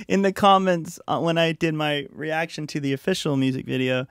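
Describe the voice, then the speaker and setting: A man's voice: on the high side, normal speed, a bit bright, dry recording. A man in his thirties hosting a music reaction video in a small home studio, chatty and rambling with lots of fillers. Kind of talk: casual reaction commentary. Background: faint music playing.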